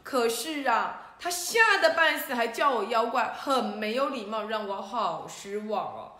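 A woman voicing an excitable male superhero in a children's story, with a high, eager, squealing delivery. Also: a little slow. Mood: disappointed. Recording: roomy echo.

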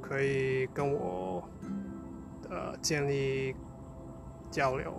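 A man's voice: mid-range voice, drawn-out words, creaky, music in the background. A man who is a non-native Mandarin speaker with a foreign accent chats casually, searching for words and repeating phrases as he goes. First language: not Mandarin, a foreign learner of it. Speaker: co-host, Chinese learner. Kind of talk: casual unscripted chat.

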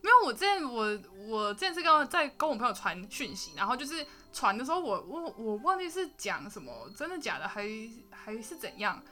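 A young woman with a Taiwanese Mandarin accent hosts a casual interview podcast in a fairly high, bright, forceful voice. She is chatty and giggly, with hesitant restarts.

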